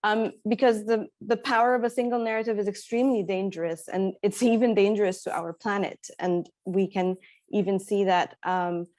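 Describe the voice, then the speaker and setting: A woman's voice: medium pitch, fairly even intonation, moderate pace, darkish tone, dry recording. A woman from Egypt giving a conference presentation, speaking hesitantly with many fillers and restarts. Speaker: speaker presenting at an academic talk.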